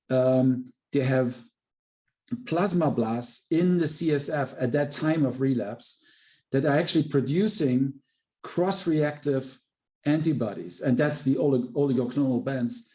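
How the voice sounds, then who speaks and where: Mellow, halting male executive explaining. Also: medium pitch. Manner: explanatory, halting, repeats words. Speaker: biotech company executive. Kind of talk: answering analyst questions on an earnings call.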